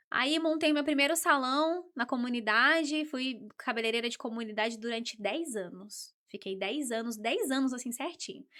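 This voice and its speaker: A woman speaks in a high, bright, sharp voice that is raised and projected, with lively intonation at a moderate pace. The recording is very clean and the background silent. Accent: São Paulo. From Brazil, São Paulo. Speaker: hairdresser. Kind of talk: interview.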